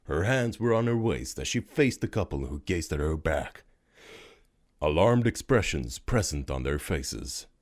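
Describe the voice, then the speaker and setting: Deep, animated male story narrator. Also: measured pace. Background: music.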